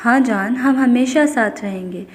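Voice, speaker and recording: A woman voicing a devoted young husband who speaks softly and tenderly, coaxing and teasing. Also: a little high, in a large hall, natural voice.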